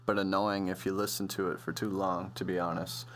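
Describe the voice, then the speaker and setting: Low-voiced man giving a casual tutorial. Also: level tone, a little fast, fairly bright tone, soft background music. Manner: informal, slangy, loosely improvised explaining. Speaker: music production tutorial presenter. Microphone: computer voice-over on a microphone.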